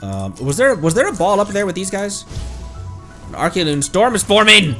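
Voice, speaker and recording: A man doing casual live gameplay commentary, excitable and playful, talking to himself and to the game as he plays. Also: high voice, normal speed, soft background music. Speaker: streamer playing a video game.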